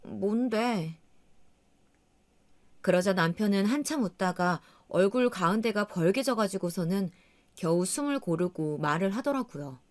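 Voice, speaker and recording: A woman tells a true story from her own life in a radio drama, speaking in a confiding, conversational way. Her pitch is mid-range and moves in a lively way. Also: normal speed. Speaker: narrator.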